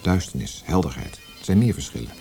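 An actor playing a proud, fretful poet in a radio drama, speaking in an earnest, precise, grumbling way. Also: male voice, deep voice, very animated, brisk, creaky, dark tone, faint music behind, exaggerated voice. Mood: firmly objecting. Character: proud, fretful, melancholy male poet and librettist.

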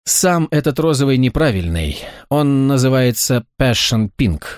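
A man's voice: mid-range voice, big pitch swings, unhurried, no echo, studio quality. A man voicing a charming, self-assured American male art expert in an audiobook, amused and easy in manner.

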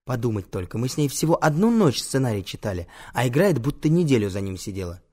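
A man voicing an excitable male film director who fawns and gets flustered, in an audiobook reading. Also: mid-range voice, quick pace. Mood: dreamy. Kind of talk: audiobook character voice.

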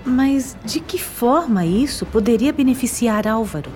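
An actress playing an analyst in a radio soap opera, questioning a patient in a measured, inquiring way. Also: female voice, on the high side, lively intonation, over music. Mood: inquiring, composed. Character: female analyst calmly questioning a regressed patient.

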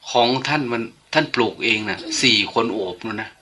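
A man's voice: medium pitch, a little fast, bright, forceful tone, slightly rough. An older man, a monk, giving an informal, chatty sermon full of anecdotes and light humor. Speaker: monk giving a dharma talk.

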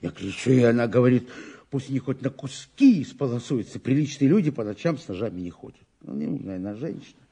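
An eager, excitable witness in an audio drama. His husky, mellow voice swoops up and down as he halts, repeats himself and bristles with indignation. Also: mid-range voice, fast talker. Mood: excited. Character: flustered, talkative male eyewitness, eager and indignant.

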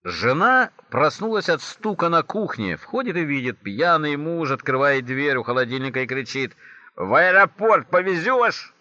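A man telling comic anecdotes in a lively way, acting out each character, on a dry, dull lo-fi recording. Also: mid-range voice, normal speed, few pauses, no echo. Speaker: joke teller.

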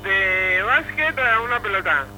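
A male caller, heard over the phone line, telling jokes live on air with a giggly, halting delivery. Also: sits high, animated, background noise.

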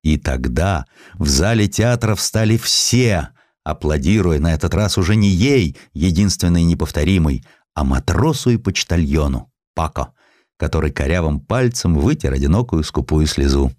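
A man narrates a historical tale in an expressive, theatrical storytelling manner. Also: sits low, moderate pace, no echo, studio quality. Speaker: audiobook narrator. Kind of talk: dramatic scripted narration of historical sketches.

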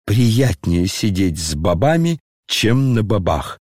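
A man reading an audiobook and voicing an aging, disgraced retired general who talks slowly, tearfully and pompously. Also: lowish voice, very animated, a little mellow, dry recording, studio quality, exaggerated voice. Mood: grandiose. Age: over 60. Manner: slow, tearful, declamatory, pompous.

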